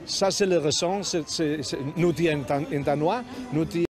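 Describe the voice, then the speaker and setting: Halting man, fairly high voice. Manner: halting, searching for words. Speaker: interviewee.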